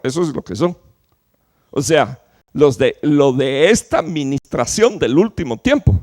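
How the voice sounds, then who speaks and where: A man preaching a sermon to his church, emphatic, with rhetorical questions and sudden loud peaks followed by low, quiet drops. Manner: fillers and restarts while explaining. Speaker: pastor.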